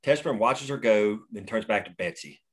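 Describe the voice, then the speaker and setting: A man's voice: lowish voice, a little fast, slightly rough. A man plainly reading the action lines and stage directions at a screenplay table read.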